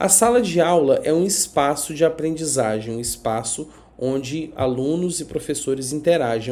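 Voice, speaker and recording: A man's fairly high-pitched voice, dark and mellow in tone, with lively intonation, a moderate pace and audible room echo. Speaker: teacher preparing candidates for a public exam. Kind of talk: lecture.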